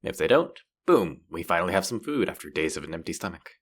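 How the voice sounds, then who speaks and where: A man's voice: low voice, very animated, fast talker. A man playing a cocky, bratty street-rat rogue in a fantasy roleplay audio drama, teasing and foul-mouthed as he talks straight to the listener. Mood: playful banter.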